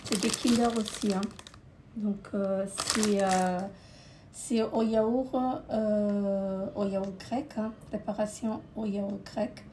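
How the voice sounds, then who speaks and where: A woman vlogger talks through her holiday shopping at an even, middling pitch. She hesitates a lot, fills gaps with filler sounds and slips into soft asides. Packaging crinkles loudly close to the mic. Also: slow pace, background noise. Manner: hesitant, many filler sounds, repeats "comme ceci". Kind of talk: casual holiday haul vlog. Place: indoors at a holiday rental near the beach.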